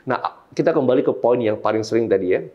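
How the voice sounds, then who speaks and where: A man's voice: mid-range voice, animated, fast talker, highs cut off. A man, a public speaking coach explaining his method point by point in an interview, often repeating phrases to demonstrate emphasis.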